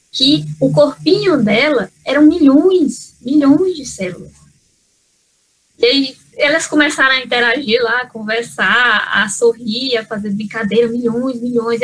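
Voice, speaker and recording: Brazilian woman on a video call, bit high voice, earnest, lots of fillers and restarts. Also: a bit bright, husky, poor audio. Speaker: panel speaker. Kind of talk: spontaneous talk in an online panel.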